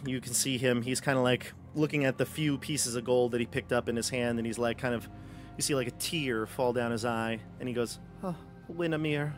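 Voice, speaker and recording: A man narrating as game master for a live tabletop game, speaking into a headset on a video call. His voice sits at a middle pitch, and his delivery is easygoing and rambling, full of ums and restarts. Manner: rambling, easygoing, many fillers. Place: home room, video call.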